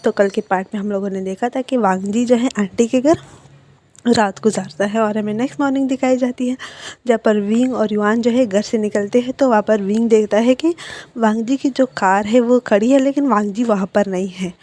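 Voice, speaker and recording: Mellow-voiced woman retelling a story. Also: fairly high pitch. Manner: conversational, with filler pauses and self-corrections. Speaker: story narrator. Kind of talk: casual retelling of a fan story.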